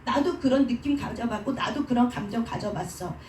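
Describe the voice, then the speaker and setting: A woman's voice: fairly high pitch, brisk, darkish tone. Woman pastor teaching with rhetorical questions. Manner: asks rhetorical questions and answers them, acts out quoted speech. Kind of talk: sermon teaching. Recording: roomy sound from a distance with faint noise.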